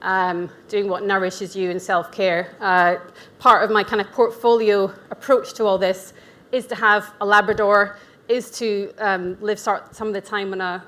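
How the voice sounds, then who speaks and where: Speaking at an event venue, a woman in her forties from Scotland presents at a conference as a nutrition practitioner. She has a medium-pitched, fairly bright voice and a Scottish accent, keeping things candid and chatty with side remarks and jokes at her own expense.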